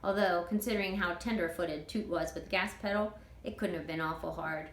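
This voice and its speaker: Female storyteller for children's fiction, expressive read-aloud, somewhat low voice, recorded with noticeable room echo. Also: fairly quick. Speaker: author reading her novel aloud. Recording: roomy echo, clear background noise.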